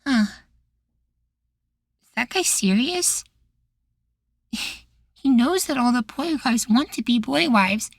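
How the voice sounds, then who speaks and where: A man voicing a cheerful, naive young boywife in an intimate ASMR roleplay, soft, doting and chatty. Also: very high voice, expressive, takes it slowly, gravelly, pauses often, no room sound, studio quality, full character voice. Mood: musing.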